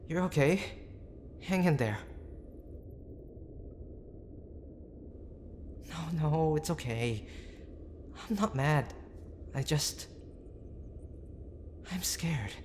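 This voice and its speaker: A man playing a gruff, teasing tsundere boyfriend who is frightened and tender underneath, in an intimate audio drama with brusque, halting urgency. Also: fairly high pitch, a little mellow. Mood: anxious, soothing, then scared, tender. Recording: clear background ambient noise.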